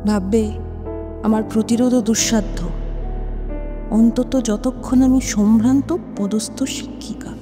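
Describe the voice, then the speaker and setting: A woman's voice: on the high side, steady tone, unhurried, long pauses, natural voice. A woman playing a proud, dignified schoolteacher, defiant and formal, in a dramatic audio drama style. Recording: long reverb, prominent music underneath.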